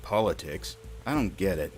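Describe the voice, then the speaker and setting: A man playing a deep-voiced, puzzled sidekick. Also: expressive, normal speed, darkish tone, faint music behind. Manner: questioning, puzzled. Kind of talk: audio drama acting.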